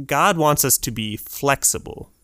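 A man's voice: medium pitch, lively intonation, measured pace, bright, forceful tone, clear, resonant tone, no echo, studio quality. Earnest, preachy young man. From United States. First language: Urdu. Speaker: podcast co-host. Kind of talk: faith podcast conversation.

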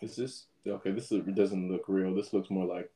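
A person chatting casually while reacting to a show, making quiet, musing remarks and laughing in bursts. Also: sits low, steady tone, normal speed. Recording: roomy echo.

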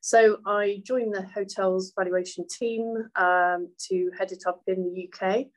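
A woman's voice: mid-range voice, fairly even intonation, measured pace, poor audio. A middle-aged woman who grew up in Hong Kong, talking thoughtfully in a casual interview, with many ums and uhs. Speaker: guest, hotel valuation executive.

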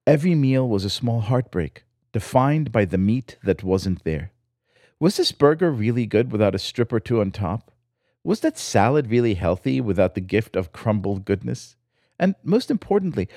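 Man from Israel, scripted essay narration, wry and lyrical, lowish voice, lively pitch swings. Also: no echo, clean studio sound. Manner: reflective, wry and lyrical storytelling. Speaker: host.

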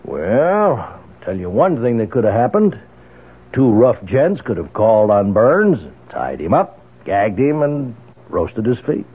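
An actor with an American accent playing a tough, blunt, skeptical ex-Marine detective in a 1970s radio drama. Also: male voice, medium pitch, sing-song, unhurried, breathy edge. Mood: hard, reasoning. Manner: blunt, scoffing. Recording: tinny, phone-like old radio broadcast.

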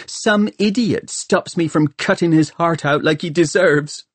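A man's voice: medium pitch, slow, a little mellow, slightly rough, dry recording, voice pushed up. A man voicing a fierce, vengeful young woman in an audiobook, snappish, blunt and mocking. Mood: angry, snapping. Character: fierce, bitter, injured young woman bent on revenge. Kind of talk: audiobook character dialogue.

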